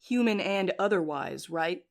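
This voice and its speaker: A woman's voice: lowish voice, animated, unhurried. A woman playing a blunt, defiant courier in an audio drama. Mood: sardonic. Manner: blunt, confrontational.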